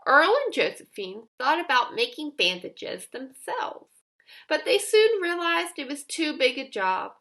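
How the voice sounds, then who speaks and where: High-pitched, animated woman reading a storybook. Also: creaky. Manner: expressive, emphatic storytelling with dramatic pauses. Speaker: storybook reader. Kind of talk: scripted read-aloud narration of a children's picture book.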